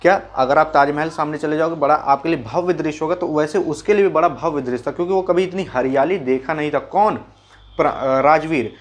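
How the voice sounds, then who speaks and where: Guy teaching a class chapter, chatty and folksy, asks himself questions then answers, voice a bit high. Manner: chatty, repeats key points as quick questions and answers; folksy, calls listeners brother and mimics sounds. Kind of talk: casual Hindi lesson explaining a chapter.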